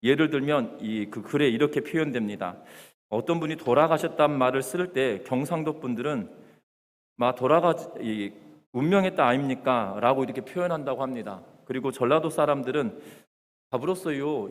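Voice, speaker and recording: A man with a Jeolla accent preaches a Sunday sermon at a middle pitch, speaking in a relaxed, chatty way with fillers and light humor. His voice carries a long reverb from the church sanctuary. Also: a little fast. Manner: conversational with fillers and joking asides. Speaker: pastor.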